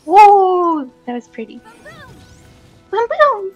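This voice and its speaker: A woman chatting casually while hosting a gameplay video, excitable and giggly, given to exclamations and sing-song bits. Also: very high-pitched, slow, soft background music. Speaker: gaming video host.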